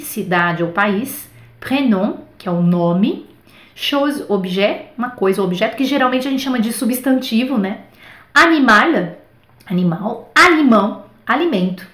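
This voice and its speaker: A woman's voice: on the high side, roomy sound. Chatty Brazilian woman teaching French. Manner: chatty, animated, many fillers like tá and né. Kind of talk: casual online lesson, live.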